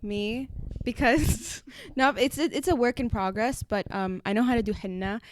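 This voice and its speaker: A young university student on a podcast, animated and self-mocking as she tells stories. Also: on the high side, moderate pace, slight background noise. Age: young adult. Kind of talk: casual storytelling.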